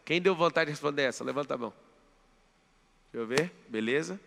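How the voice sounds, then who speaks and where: A man with a Brazilian Portuguese accent leads a live motivational seminar, pressing his audience with emphatic commands. His voice sits high and is deeply gravelly, with a forceful, bright edge. Long reverb from the big hall trails each phrase. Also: fast, a little hiss or hum. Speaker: mentor.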